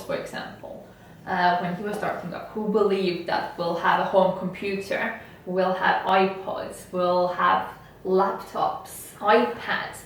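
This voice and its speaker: A woman whose first language is Estonian, speaking earnestly and motivationally as an interview guest. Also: medium pitch. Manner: earnest, motivational, steady and even. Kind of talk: interview conversation. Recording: echoey room, from a distance, faint noise.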